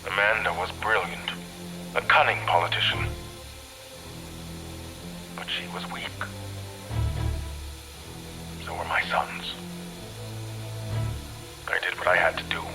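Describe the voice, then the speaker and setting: A deep-voiced, ruthless space admiral for an audio drama. He declaims in proud, clipped phrases with no regret, and music plays clearly behind him. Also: steady tone, a little slow, pauses often, poor audio. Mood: bitter, cold.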